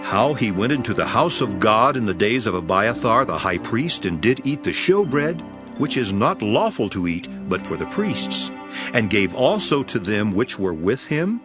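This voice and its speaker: Male actor as calm authoritative teacher, solemn scripture drama, lowish voice, music underneath. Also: normal speed. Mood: firm, reasoning. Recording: music behind the voice.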